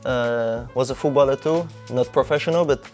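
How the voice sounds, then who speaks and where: A young Dutch footballer, appearing as a guest in a casual interview, talks at a moderate pace in a medium-pitched, slightly mellow voice with a Dutch accent. He sounds laid-back and hesitant, filling his speech with lots of ums and uhs, while soft music plays in the background.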